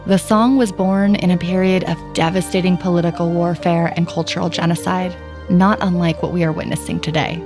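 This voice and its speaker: A woman hosting a podcast, delivering polished, measured scripted narration. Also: lowish voice, steady tone, music in the background. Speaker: podcast host.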